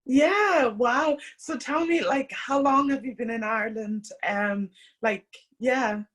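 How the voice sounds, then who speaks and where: Chatty woman podcast host, breathy voice. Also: fairly high pitch, takes it slowly, a bit bright. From Kenya. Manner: chatty, many "like" and "you know" fillers. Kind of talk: casual conversation.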